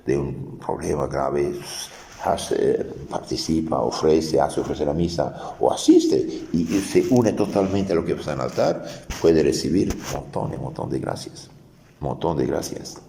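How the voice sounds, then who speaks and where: A man's voice: very deep voice, unhurried, creaky, dark tone, slight background noise. A man, a priest, giving an earnest, explanatory sermon with restarts. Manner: earnest, explanatory preaching with restarts and dramatized Gospel quotes. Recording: echoey, reverberant hall.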